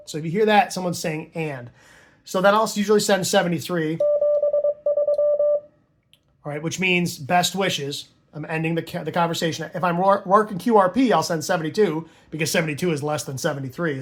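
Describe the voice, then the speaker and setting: Higher-pitched man giving an informal tutorial. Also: normal speed, long pauses. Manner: casual, conversational asides. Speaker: amateur radio instructor and operator.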